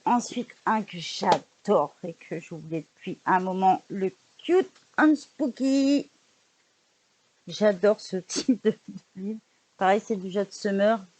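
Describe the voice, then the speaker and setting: A woman's voice: mid-range voice, animated, takes it slowly, a little mellow. A woman vlogger in casual chat, showing books she bought, hesitant with frequent fillers and restarts, recorded indoors at home. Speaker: vlogger showing a book haul.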